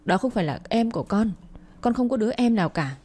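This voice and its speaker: A woman's voice: a little high, lively intonation, fast, darkish tone, voice pushed up. Woman voicing a tearful, defiant little girl. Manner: pleading, crying outbursts.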